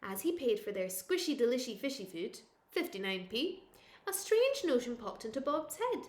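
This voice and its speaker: A woman reads a children's picture book aloud like a teacher at storytime, expressive and playful. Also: on the high side, moderate pace, roomy sound. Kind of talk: animated children's storytime reading.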